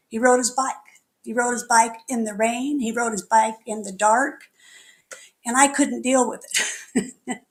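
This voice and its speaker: A middle-aged woman minister preaching to her congregation with a slightly high voice. She tells her story in a chatty, candid way and laughs at herself now and then. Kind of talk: sermon with personal storytelling. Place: spiritual center meeting hall.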